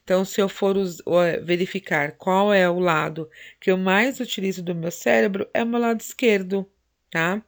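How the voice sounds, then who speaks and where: A woman gives a recorded anatomy lesson at a middle pitch. She explains step by step and keeps checking in with her students through short tag questions and fillers. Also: steady tone, normal speed. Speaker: teacher.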